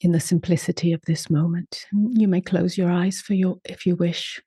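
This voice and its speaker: A woman leading a guided meditation in a soft, slow voice, humming between phrases and often trailing into a whisper. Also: lowish voice, steady tone, slightly rough, no echo, clean studio sound. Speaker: meditation teacher.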